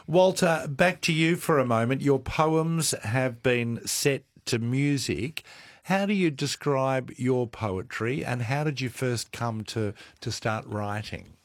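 A man's voice: mid-range voice, takes it slowly. A man co-hosting the interview, steering the conversation in a friendly way and introducing the guests. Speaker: co-host.

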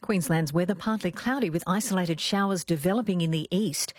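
Low-voiced Australian woman newsreader. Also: brisk, a little mellow, no room sound, studio quality. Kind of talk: news and weather read.

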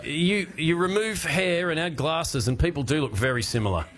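Joking quiz show host. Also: male voice, a little high, normal speed, noisy background. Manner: teasing, joking, often laughing. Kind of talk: comedic panel quiz hosting.

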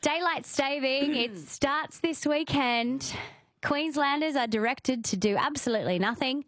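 An Australian woman hosting a live radio show, chatty and brisk as she runs through the schedule. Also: high-pitched, a bit bright, dry recording, clean studio sound. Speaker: radio host. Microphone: studio microphone.

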